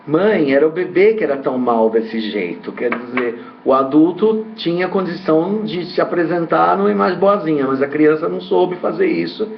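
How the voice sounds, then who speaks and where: Rambling man, slightly high voice. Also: animated, normal speed, vocal fry, few pauses, a little hiss or hum. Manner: hesitant, repeats himself, many tag questions. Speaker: ufologist host. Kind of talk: rambling commentary. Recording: dull lo-fi recording.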